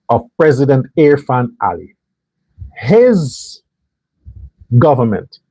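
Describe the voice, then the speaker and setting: Husky-voiced man in a fiery monologue. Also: medium pitch, mellow, no room sound, low-quality recording. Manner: emphatic, talks straight to viewers, mock voices for others. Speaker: political commentary show host. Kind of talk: animated political monologue.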